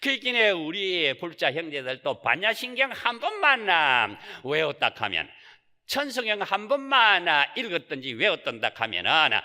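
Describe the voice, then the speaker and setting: A man's voice: fairly high pitch, wildly swooping pitch, normal speed, pushed and bright. A man, a Buddhist monk, giving a Sunday Dharma talk with rhetorical questions and folksy asides. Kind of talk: sermon. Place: temple hall. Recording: reverberant temple hall.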